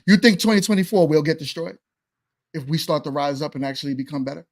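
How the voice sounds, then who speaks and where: A man with a notably high voice argues in a casual podcast chat. He keeps pressing his point and pushing back on the other speakers. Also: quick pace, a little hiss or hum. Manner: argumentative, pushes back. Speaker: podcast co-host.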